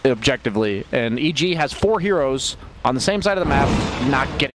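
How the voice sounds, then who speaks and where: A man's voice: mid-range voice, lively intonation, brisk, noisy background. A man giving color commentary on an esports match, explaining tactics in an analytical way.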